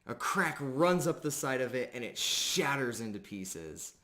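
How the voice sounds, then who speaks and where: A man narrating a live tabletop game as game master, casual and pausing often as he goes. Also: mid-range voice, sing-song, bright, forceful tone.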